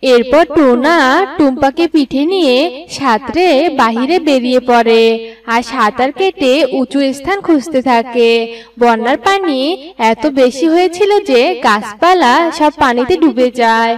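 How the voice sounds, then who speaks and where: High-pitched woman storyteller. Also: animated, unhurried, recorded from a distance. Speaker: narrator. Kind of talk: scripted children's story narration.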